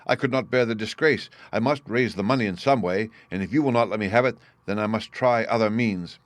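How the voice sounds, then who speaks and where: A man voicing a proud young gentleman in debt, speaking in a raised, heated way. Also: on the low side, brisk, no room sound, natural voice. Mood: pleading. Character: proud young gentleman, indebted, defiant son.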